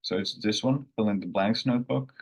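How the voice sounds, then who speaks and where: A man who is a native Finnish speaker, hosting a casual online language lesson in an unhurried, rambling way with self-corrections. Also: on the low side, breathy edge. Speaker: language course host.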